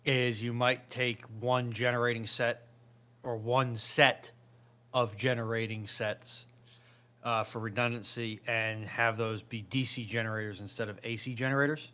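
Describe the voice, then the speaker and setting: A man giving a measured, casual technical explanation as a panel guest, carefully qualifying what he says. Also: medium pitch, little pitch movement, bright, forceful tone.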